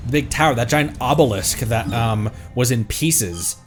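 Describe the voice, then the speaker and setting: A man's voice: medium pitch, moderate pace. A man chatting casually as he streams a game. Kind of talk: casual game livestream chat. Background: faint music.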